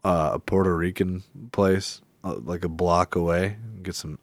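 A man chatting casually as a podcast co-host, enthusiastic and quick to laugh. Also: deep voice, steady tone, dry recording. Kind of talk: casual chat.

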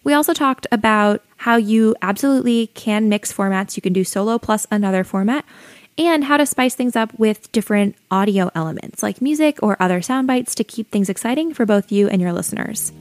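A young adult woman with a soothing voice, hosting her own podcast and calmly giving friendly advice like a teacher. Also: medium pitch, fairly quick, no room sound. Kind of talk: solo educational podcast talk.

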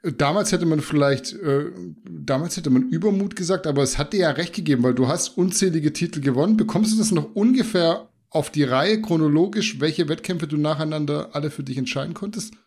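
A man hosting a podcast, asking casual follow-up questions in a relaxed way. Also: a little high, brisk, slightly rough. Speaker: podcast host.

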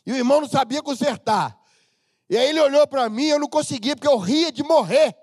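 Brazilian pastor guy, pretty high voice, jokey lively sermon, dry close sound. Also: quick pace, dry recording. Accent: Brazilian Portuguese. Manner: humorous, animated preaching with sudden shouts. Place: church.

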